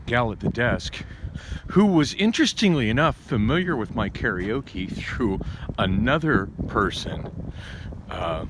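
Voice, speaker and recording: A man with a fairly low voice vlogs while walking down a street, wind loudly battering the mic. His casual monologue rambles into side stories before circling back to the main thread.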